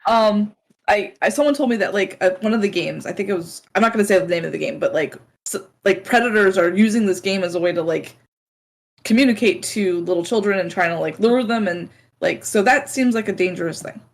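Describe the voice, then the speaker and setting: A woman's voice: mid-range voice, fairly quick. Thirty-something woman co-hosting a podcast, lots of ums and likes. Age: 30s. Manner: chatty, hesitant, lots of fillers. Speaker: podcast co-host. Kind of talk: casual chat.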